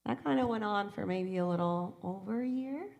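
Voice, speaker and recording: A woman's voice: mid-range voice, normal speed, creaky, a little mellow. A woman in her thirties, a voice actor guest chatting animatedly on a convention panel with a handheld mic. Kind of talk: casual panel chat.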